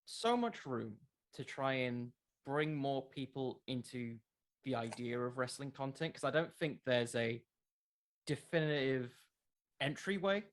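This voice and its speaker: Casual interview guest: young adult male, middle pitch, earnest, rambling explainer. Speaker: interview guest, wrestling content creator.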